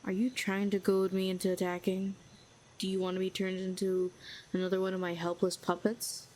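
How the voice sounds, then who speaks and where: A woman's voice: medium pitch, monotone, normal speed, a little mellow, a little hiss or hum, lightly acted, rough recording. A woman acting as a condescending female villain with telepathic powers in an audio roleplay, with dry, mocking put-downs. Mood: probing, sardonic.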